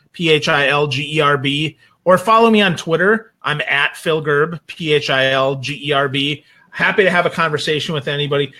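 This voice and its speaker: A man chatting casually as a talk show guest, with blunt, emphatic, animated opinions. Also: on the high side.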